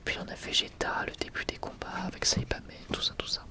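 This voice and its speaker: Whispered voice, breathy, casual ASMR chat, rambling, self-correcting. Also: a little fast. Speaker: ASMR video creator presenting a manga collection.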